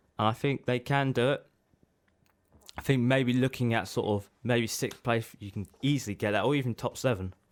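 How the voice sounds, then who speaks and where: Medium-pitched male speech in an English accent. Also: moderate pace. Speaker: football radio host. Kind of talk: solo football talk show. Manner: hesitant, many ums.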